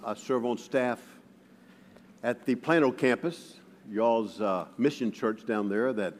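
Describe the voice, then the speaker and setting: A man's voice: mid-range voice, a little hiss or hum. A man preaching as a guest, who stutters with frequent repeated words and tells stories with self-deprecating humor. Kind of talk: sermon with personal storytelling. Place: church sanctuary. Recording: long reverb of a large hall.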